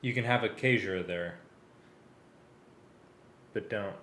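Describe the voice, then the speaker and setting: A man's voice: fairly low pitch, a little slow, pushed and bright. A man in a casual working discussion, hesitant and thinking aloud as he directs the planning. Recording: roomy echo, clicks, faint background noise.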